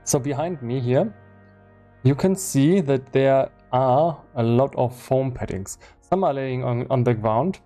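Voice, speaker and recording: A man talking casually and explaining on a livestream, thinking aloud in a halting way, with as his language. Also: medium pitch, mellow, faint music behind. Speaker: game developer streaming live. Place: indoor room with foam acoustic padding.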